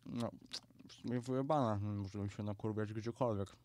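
A man's voice: fairly low pitch, steady tone, moderate pace, a little mellow, a little hiss or hum, natural voice. A man voicing a laid-back famine horseman. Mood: offhand.

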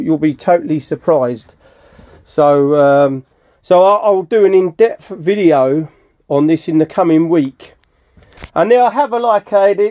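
In a cluttered wooden workshop indoors, a middle-aged British furniture restorer casually presents his project while holding the camera. His slightly high, warm voice rambles informally as he rephrases and corrects himself, and the camera mic audio is a bit dull and lo-fi.

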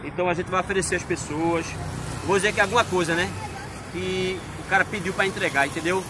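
A man hosting a street prank video, talking quickly and insistently as he presses strangers. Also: sits high. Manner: insistent, pleading, fast-talking. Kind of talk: street prank, persuasive chatter. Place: outdoors on a city street. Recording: street noise from passing cars. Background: traffic noise.

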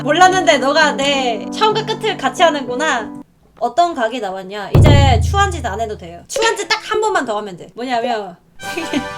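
High-voiced chatty woman gaming. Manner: chatty, self-mocking, laughs often. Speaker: game streamer. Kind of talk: casual let's-play commentary. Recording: game music playing behind.

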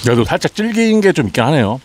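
Mukbang host, male, mouth full and chewing, animated delivery, clear background noise outdoors. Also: fairly high pitch, fast talker. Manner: savoring murmurs and exclamations. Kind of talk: outdoor eating show.

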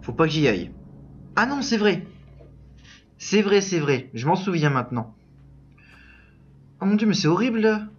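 A man's voice: high voice, sing-song, moderate pace, long pauses, lo-fi sound, faint music behind. A man giving casual let's play commentary, breaking into exclamations and frustrated outbursts at a lagging game.

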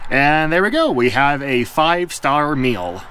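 Chatty man vlogging outdoors, slightly high. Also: unhurried, a little hiss or hum. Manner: relaxed, chatty, self-correcting. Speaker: travel vlogger. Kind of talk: casual vlog narration. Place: outdoors in town and at a truck camper.

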